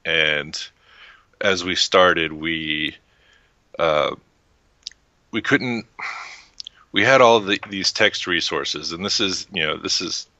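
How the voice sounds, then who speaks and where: Texan man, very low and bright voice, hesitant casual guest, dry muffled recording. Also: slow, long pauses, no echo. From Texas, USA. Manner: hesitant, many "um" and restarts, laughs lightly. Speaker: guest, website founder. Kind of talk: casual interview. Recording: dull lo-fi dry sound.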